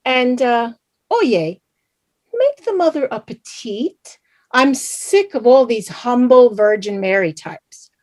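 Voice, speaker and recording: A woman plays a spirited Latina mother in a staged play reading. Her voice is high and swooping, unhurried as she coaxes with wry vanity. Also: lively intonation, a little mellow. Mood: affectionate, wry. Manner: coaxing, mixes in Spanish words. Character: vain, spirited Latina immigrant mother, wryly coaxing.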